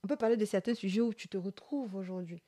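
A woman from Côte d'Ivoire, hosting a podcast in casual, animated conversation. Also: medium pitch, fast. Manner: animated, laughs while telling stories. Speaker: podcast host. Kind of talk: casual chat.

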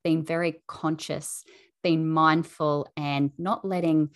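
Woman, very low voice, podcast host, thoughtful measured delivery. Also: fairly even intonation. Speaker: mother. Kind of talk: reflective interview chat.

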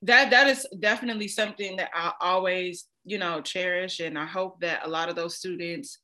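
A woman hosting a casual podcast interview, talking in a relaxed, slangy way. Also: lowish voice, moderate pace. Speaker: podcast host.

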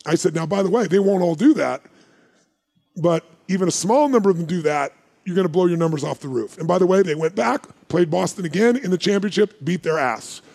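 A man's voice: high voice, lively intonation, brisk, creaky, a little mellow. A middle-aged man speaking live to an audience, telling a punchy story, acting out quoted dialogue and asking the crowd questions. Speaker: motivational speaker.

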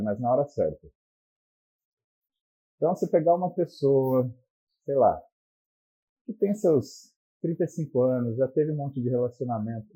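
A man's voice: mid-range voice, dark tone, breathy edge, lo-fi sound. A man with a Brazilian Portuguese accent giving blunt, profane relationship advice in a crude comic monologue.

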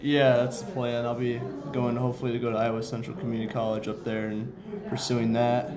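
A man's voice: mid-range voice, monotone, brisk, music in the background. A young adult man with an American accent giving casual, hesitant, informal answers as an interview guest. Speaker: school mascot, interview guest. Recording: crowd chatter behind the voice. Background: crowd chatter.

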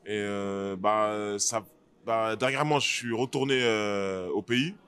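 A man's voice: fairly low pitch, slow, fairly bright tone, clear, resonant tone. A man who is an MMA fighter, answering interview questions casually and hesitantly, with many fillers and restarts. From France.

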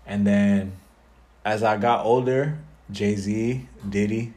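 Deep-voiced young man, relaxed. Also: slow, slight background noise. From South Florida. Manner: relaxed, reflective, with many fillers. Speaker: guest music artist. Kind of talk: casual interview conversation.

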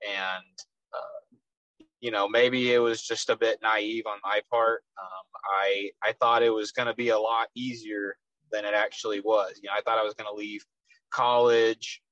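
A man in his twenties with a Texas accent, a professional soccer player, answering interview questions in a relaxed way with many ums and restarts. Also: lowish voice, normal speed, no echo, highs cut off. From Texas, USA. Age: 20s.

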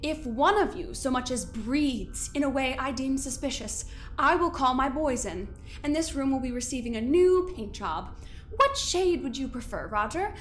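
A high-voiced, coldly menacing overseer. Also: female voice, animated, faint music behind. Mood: coolly threatening. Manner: condescending, theatrical, measured. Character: coldly menacing woman overseer, smug, controlling, silky threats. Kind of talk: scripted audio drama acting.

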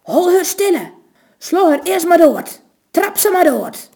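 A woman with a Low voicing a brutal, hot-tempered male bandit who shouts harsh threats. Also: very animated, measured pace, exaggerated voice. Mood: raging.

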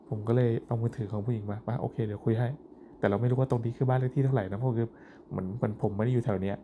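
A man's voice: mid-range voice, mellow, slight background noise. A man casually recounting a vivid dream he just had, hesitant and often repeating words as he goes. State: groggy, just woken up.

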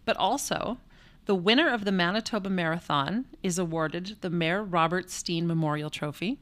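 Lady cohosting a podcast, giggly and playful, kinda low voice. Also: moderate pace. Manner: playful, laughs often, reads prepared fun facts. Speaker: podcast co-host. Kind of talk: casual chat.

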